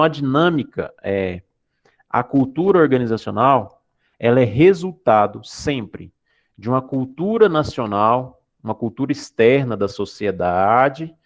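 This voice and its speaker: Gravelly-voiced man teaching an online class. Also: medium pitch. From Goiás, Brazil. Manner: explanatory, checks in with students often. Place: Anápolis, Brazil.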